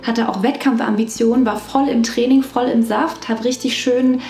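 A woman's voice: on the high side, fairly even intonation, normal speed, darkish tone, reverberant. A woman in her thirties telling a personal story candidly to camera in a small treatment room. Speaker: vlogger.

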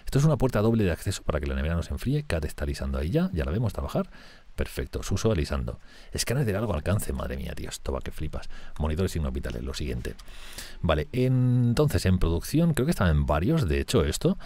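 Deep-voiced Spanish man narrating gameplay. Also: big pitch swings, quick pace, warm tone, no room sound. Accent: Spain Spanish. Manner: chatty, thinks aloud and talks to his game characters. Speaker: gaming channel host. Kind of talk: let's-play commentary.

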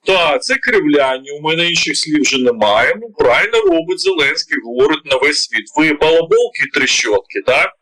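A man with a Ukrainian accent delivering heated political commentary. His voice is bright and forceful, and he keeps firing indignant rhetorical questions between hesitant filler sounds. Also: fairly high pitch, very animated, brisk, few pauses, poor audio.

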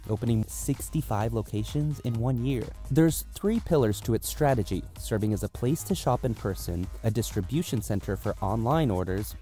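A man narrating a scripted news voice-over in a smooth, lively way. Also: medium pitch. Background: soft background music.

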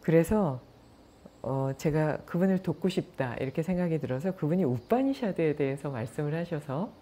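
Low, mellow-voiced woman telling stories calmly. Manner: anecdotal, calm, with acted-out quotes. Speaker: yoga and meditation teacher. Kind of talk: casual talk to viewers.

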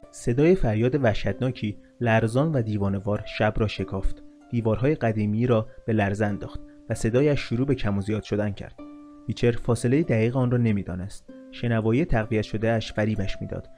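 A man narrating a fantasy story in a steady, measured reading. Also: fairly low pitch. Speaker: audiobook narrator.

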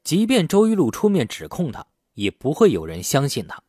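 A man's voice: a little high, huge pitch swings, normal speed, a little mellow, slightly rough, dry recording, studio quality, heavily acted. A man voicing a shrewd, suspicious, outspoken man with an insistent manner in an audiobook. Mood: calm, knowing.

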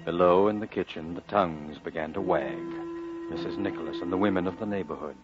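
Solemn storyteller looking back on boyhood, male actor, low-pitched, 1940s radio play, dull vintage broadcast. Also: fairly quick, close to an everyday voice. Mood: wistful. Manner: reflective, literary storytelling. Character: grown man solemnly recalling his Welsh boyhood. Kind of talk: 1940s radio drama narration. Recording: muffled old radio broadcast with music.

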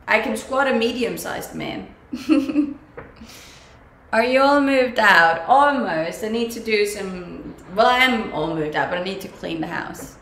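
Fairly high and fairly bright, the voice belongs to a young woman from Denmark who speaks with a Danish accent. She's livestreaming casually indoors in her home kitchen, laughing often while replying to comments from viewers. A webcam set at desk distance captures her, with kitchen echo and a faint hum in the background.

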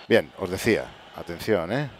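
A man commenting on his own football video game match, excitable, playing mock sports commentator and breaking into bursts of cheering, recorded at home. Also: sits low, normal speed, slight background noise. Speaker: gaming channel host. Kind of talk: excited let's-play commentary. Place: home room at night.

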